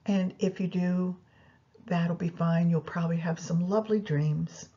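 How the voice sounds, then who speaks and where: A woman leading a guided yoga nidra meditation, giving unhurried instructions directly to the listener. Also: on the low side, steady tone, warm tone, breathy edge, dull audio.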